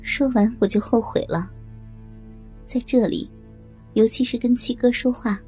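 A woman narrating a first-person audio story smoothly and playfully. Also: on the high side, steady tone, a little slow, mellow. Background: faint music.

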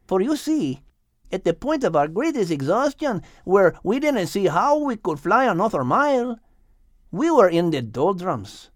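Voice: mid-range voice, no echo, studio quality, voice pushed up. A man voicing an earnest, grateful little male hummingbird telling of his travels with wonder in a storybook tale.

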